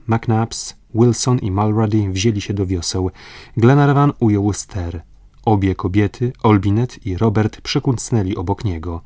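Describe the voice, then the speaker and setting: Male audiobook narrator, low and steady, measured delivery on a dry studio track. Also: dry recording. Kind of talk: scripted narration of an adventure novel.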